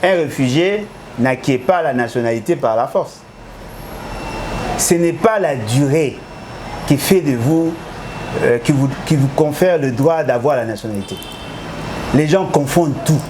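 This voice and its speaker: Against a noisy background, a man with a medium-pitched, expressive voice argues politics unhurriedly, leaving long pauses. A political commentator in a heated debate, he lectures, claims he cannot be contradicted, and moves between French and Lingala.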